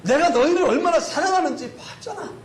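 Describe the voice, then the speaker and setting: A man's voice: very high voice, a little fast, echoey room, pitched above the performer's own voice. A man voicing God as an exasperated father figure scolding his people with repeated rhetorical questions.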